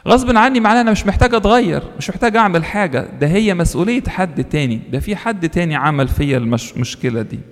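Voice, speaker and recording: A man preaching with an Egyptian accent and a voice pitched a little high. He talks quickly, acting out the voices of the people in his stories. The sound carries a long echo, as in a church hall. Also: expressive. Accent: Egyptian Arabic. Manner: acts out dialogue of characters in the stories. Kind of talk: sermon storytelling.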